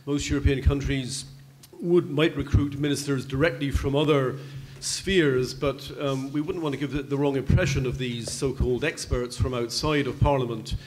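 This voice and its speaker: An older man speaks as an expert at a convention panel, explaining in a measured way with halting restarts. His voice sits at an ordinary middle pitch. He talks into a table microphone in a large hall, with faint noise behind him. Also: steady tone, a little mellow. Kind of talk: public panel discussion.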